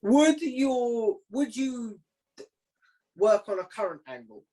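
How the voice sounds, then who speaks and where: A man's voice: very high-pitched, animated, slow pace, mellow, rough recording. A man hosting an interview in a casual, chatty style. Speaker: host interviewing a podcaster.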